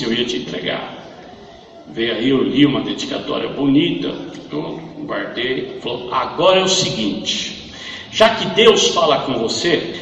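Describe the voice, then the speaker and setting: Brief: man with a high voice giving a church testimony, acting out the voices in the story, heard from far off in a big echoey hall. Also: slight background noise. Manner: retells a story acting out the voices, rising to loud fervent preaching.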